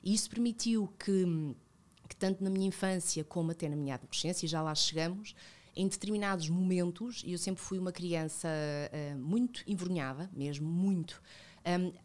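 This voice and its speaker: A woman in her thirties with a European Portuguese accent, talking reflectively as a podcast guest, with many fillers and self-corrections, close on a studio boom mic. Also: moderate pace, darkish tone. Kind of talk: casual conversational interview. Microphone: studio boom mic with headphones.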